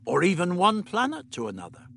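A man's voice: sits high, huge pitch swings, brisk, gravelly, fairly bright tone, a little hiss or hum, voice pushed up, heavily acted. A man voicing a young male space traveller, curious and resigned in manner. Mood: questioning. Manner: resigned, questioning.

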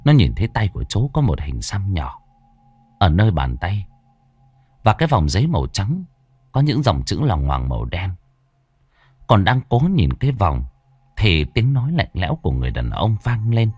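A man narrating a story in a steady, expressive way. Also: low voice, moderate pace, long pauses, slightly rough, no room sound.

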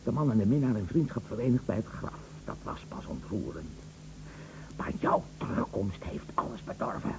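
An actor playing a bitter, sarcastic betrayed husband with cold menace in a radio drama. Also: male voice, on the low side, sing-song, normal speed. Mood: menacing, agitated. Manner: sarcastic, mocking, theatrical. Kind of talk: Dutch radio drama acting. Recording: dull lo-fi radio recording, faint hum.

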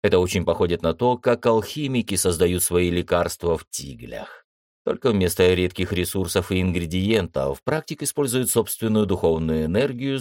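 Low-voiced guy narrating a fantasy audiobook, steady measured reading, dry close sound. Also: no echo. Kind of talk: first-person audiobook narration.

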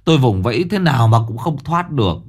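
A man's voice: mid-range voice, sing-song, fast, a little mellow, voice pushed up. A man voicing a terrified village man who stammers and pleads. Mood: shaken.

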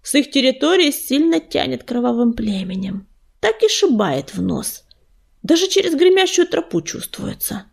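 A woman voicing an excitable male warrior cat reporting back from a patrol. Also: sits high, normal speed, vocal fry, exaggerated voice. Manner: excited, breathless.

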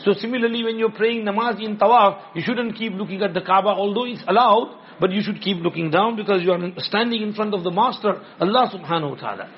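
A high-voiced man with a South Asian accent gives an informal religious lesson. He instructs repetitively, often checking that people follow. The recording is dull and lo-fi, with some noise behind him. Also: fast talker, few pauses. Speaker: religious teacher. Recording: dull lo-fi sound with background noise.

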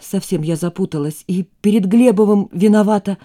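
A woman voicing a weary, distraught mother in an audiobook, her lines going from tired murmurs to shouting. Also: mid-range voice, fairly quick, close to an everyday voice. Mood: pleading.

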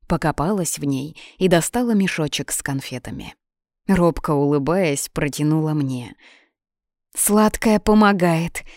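A woman's voice: sits low, darkish tone, no echo, studio quality. A woman narrating a first-person novel as a hot-tempered young man, in a plain audiobook reading voice.

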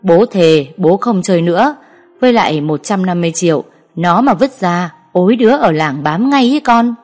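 Weary gambler dad pleading defeat, read by a low-voiced woman. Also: animated, moderate pace, darkish tone, faint music behind. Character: indebted gambling village father, weary.

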